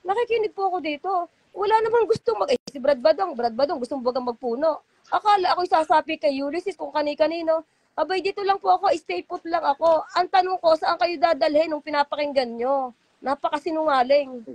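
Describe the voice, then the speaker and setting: A middle-aged woman with a high, slightly quick voice and a darkish tone, recorded dry. She is a former church member appearing as a guest on an emotional call-in interview, rambling heartfeltly and imitating the voices of people who spoke to her.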